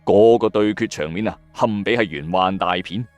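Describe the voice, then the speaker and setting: A man's voice: low-pitched, normal speed, a little mellow, muffled recording. A man with a Hong Kong Cantonese accent narrates like a late-night ghost story host, colloquial and emphatic, speaking straight to listeners. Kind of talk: dramatic storytelling narration with commentary. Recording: dry voice-over with music underneath. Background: background music.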